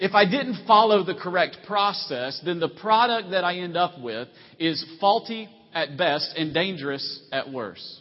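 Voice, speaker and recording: This man speaks fairly slowly in a Southern US accent, his pitch high. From Tennessee. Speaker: visiting pastor. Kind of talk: guest sermon, building a teaching point on God's process and purpose. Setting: church stage with congregation. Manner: conversational and humorous, drawing laughs; earnest, steady preaching cadence with emphatic repetition.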